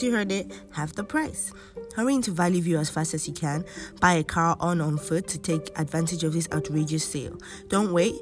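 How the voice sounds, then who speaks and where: A woman's voice: sits low, far from the mic. A woman voice-over artist reading scripted advertising copy. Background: music.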